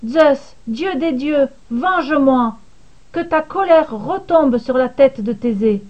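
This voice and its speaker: A woman voicing an abandoned young woman who curses her lover in slow, declamatory grief. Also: high voice, expressive, darkish tone. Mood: anguished. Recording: dull lo-fi recording.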